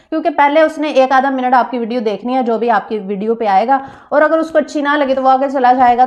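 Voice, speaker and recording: Chatty woman vlogger, slightly hoarse. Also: a little high, muffled recording. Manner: chatty, repeats phrases, addresses viewers directly. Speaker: vlogger giving channel tips. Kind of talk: casual vlog talk. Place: small store room on a rooftop.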